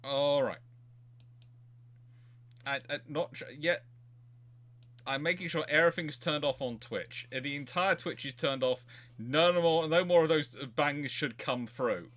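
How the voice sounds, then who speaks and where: A man chatting casually as the host of a livestream, speaking in a halting, hesitant way. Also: on the high side, a bit bright.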